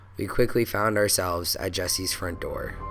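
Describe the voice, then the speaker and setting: With music in the background, a man talks at a moderate pace, his pitch varying in an ordinary way. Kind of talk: documentary narration.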